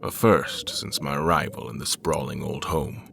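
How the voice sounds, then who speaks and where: A man playing a grave, determined admiral in an audio horror drama, speaking in a measured, formal, solemn way. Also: very deep voice, creaky, background noise, heavily acted. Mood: brooding. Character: Admiral Beckett, grave, determined father trapped in haunted manor. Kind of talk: audio horror drama, first-person narration.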